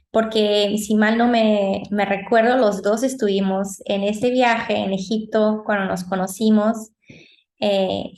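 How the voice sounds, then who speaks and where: A woman with a Peruvian accent interviewing a guest, speaking in a gentle, reflective way and searching for words. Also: mid-range voice. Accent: Peruvian Spanish. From Peru. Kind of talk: conversational interview. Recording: roomy echoey sound.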